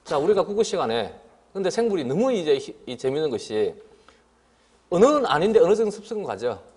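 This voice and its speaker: A middle-aged man lectures a class on biology and keeps checking whether the students follow him. His voice sits fairly high and jumps around a lot in pitch. He scolds the class and now and then mimics a student in a lighter voice. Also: a little fast. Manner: lively and scolding, often asks "알겠지?".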